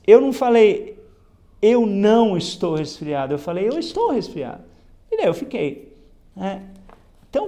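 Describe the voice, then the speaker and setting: In a very high-pitched voice with a dark tone, a man gives a spoken commentary on a Bible lesson. He reads passages aloud, then explains them reflectively, frequently tacking on "né?" as he goes.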